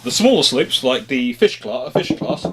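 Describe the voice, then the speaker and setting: A man's voice: mid-range voice, very animated, moderate pace, slight background noise. A man hosting an informal question-and-answer chat, explaining things off the cuff and often rephrasing mid-thought. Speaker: host of a history question-and-answer show.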